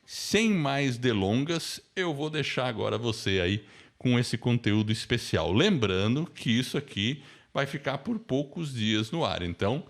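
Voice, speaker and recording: A man's voice: medium pitch, lively intonation, a little slow, hardly any pauses. A Brazilian man hosting an online lesson, giving a casual, conversational introduction and often checking in with short tag questions. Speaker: podcast course host and mentor.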